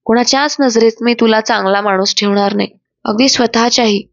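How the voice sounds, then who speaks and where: A woman's voice: a little high, steady tone, fairly quick, no room sound, close to an everyday voice. A woman voicing a spiteful, scheming young wife who taunts her husband. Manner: sharp, scornful taunting. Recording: dull, dry voice-over.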